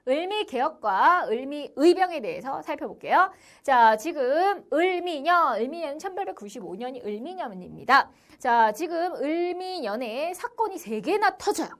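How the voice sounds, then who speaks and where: A young woman teaches a history lesson to middle schoolers in a bright, high voice. Her pitch swings widely as she talks. She keeps saying "자" between phrases and briefly acts out the people in her story. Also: moderate pace, hardly any pauses. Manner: lively, uses "자" as a constant filler, acts out short quotes. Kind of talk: online lecture for middle school students.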